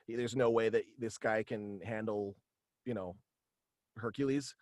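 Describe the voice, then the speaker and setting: A man's voice: on the low side, steady tone, a little slow, a little mellow, no echo. A young man chatting casually and in a rambling way as an interview guest, peppering his talk with "like". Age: young adult. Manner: rambling, frequent "like". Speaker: guest, voice actor and writer. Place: small room at home, on video call.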